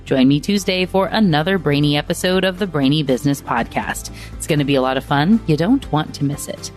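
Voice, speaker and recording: Low-voiced upbeat woman podcast host. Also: a little fast, a little mellow, soft background music. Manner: upbeat, encouraging. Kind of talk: podcast hosting and scripted wrap-up.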